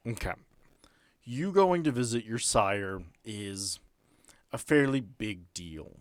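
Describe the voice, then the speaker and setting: A man acting as game master, narrating a tabletop role-playing game in a deliberate, descriptive way with pauses mid-sentence. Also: lowish voice, animated, no echo, clean studio sound. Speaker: game master and host of an actual-play podcast. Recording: background music under the voice.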